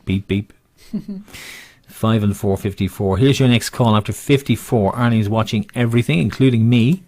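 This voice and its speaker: A man's voice: fairly low pitch, normal speed, darkish tone. A man working as a bingo caller, calling numbers with rhyming nicknames and chatting jokily in between in a rambling way.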